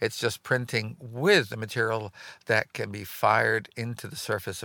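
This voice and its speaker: Vocal fry marks this man's bright, sharp tone, delivered with a Canadian accent. He keeps a moderate pace and fairly even intonation. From Canada, rural Niagara area, Ontario. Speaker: glass artist. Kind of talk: casual interview. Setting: on location at a subway station.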